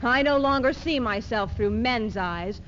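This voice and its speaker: A woman's voice: fairly high pitch, unhurried, fairly bright tone. A woman playing a determined, newly independent feminist in a readers theater monologue. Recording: dull 1970s archive recording, faint noise.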